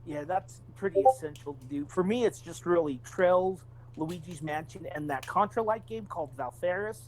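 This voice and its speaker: A man's voice: high voice, animated, normal speed, darkish tone, rough recording. A man chatting casually about video games as a podcast co-host.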